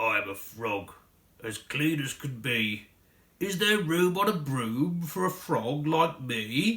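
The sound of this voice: Using a croaky, put-on character voice with a fairly high pitch, a man speaks fairly slowly.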